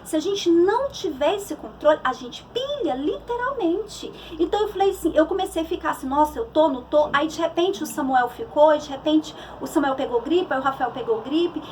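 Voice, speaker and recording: High-voiced Brazilian woman psychologist. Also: expressive, a little fast, hardly any pauses, darkish tone, far from the mic, slight background noise, poor audio. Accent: Brazilian Portuguese. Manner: conversational, with many restarts and fillers. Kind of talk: church talk on emotions.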